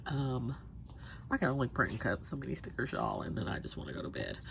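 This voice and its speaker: A woman's voice: extremely low pitch, huge pitch swings, a little fast, vocal fry, noisy background. A young woman chatting through her monthly budget check-in, rambling with lots of ums, sounding stuffy and sniffly. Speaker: budget planner vlogger.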